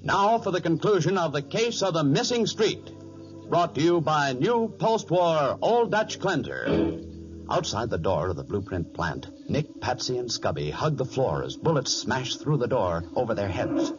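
A man's voice: mid-range voice, big pitch swings, a little slow, over music. A man announcing and narrating in a formal, emphatic 1940s radio style. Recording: muffled 1940s radio recording.

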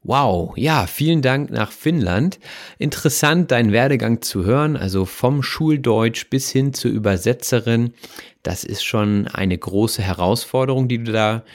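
A man's voice: mid-range voice, lively intonation, a little slow. A man from northern Germany hosting a language-learning podcast, commenting on listener messages in a friendly, reflective way with frequent fillers. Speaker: podcast host.

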